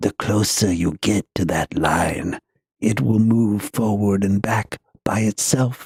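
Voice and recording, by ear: A man uses a raspy, put-on character voice at a fairly low pitch and a fairly slow pace. His intonation is fairly even, his loudness very even, and the sound is dry and close with no echo.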